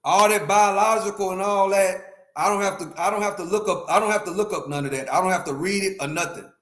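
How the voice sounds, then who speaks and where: On his livestream, a man in his fifties fires off an emphatic, opinionated rant, repeating himself and speaking directly to chat. His voice is high and fairly bright, the pace fast, and the sound reverberant.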